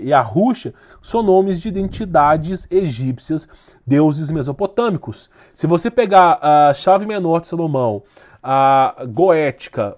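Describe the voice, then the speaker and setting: A man's voice: sits high, darkish tone. A man giving an informal video lecture in an emphatic, insistent way, often checking in with short questions. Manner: rises in force when making a point. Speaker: teacher of esoteric history.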